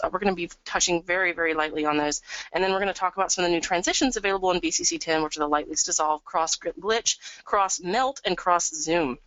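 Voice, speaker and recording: Woman, quick talker, slightly sniffly, chatty tutorial presenter, dull dry webinar audio. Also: mid-range voice, fairly bright tone, dry recording. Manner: upbeat, chatty, lots of "we're gonna". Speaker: software product specialist presenting a webinar. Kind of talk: live software tutorial webinar.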